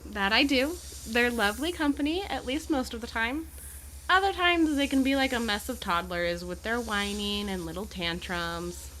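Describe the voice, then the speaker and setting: A woman's voice: fairly high pitch, expressive, normal speed, a bit bright, a little hiss or hum, rough recording. A woman playing an amiable, poised Gorgon educator in an audio drama, with articulate, genteel and reassuring phrasing. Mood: wry, playful.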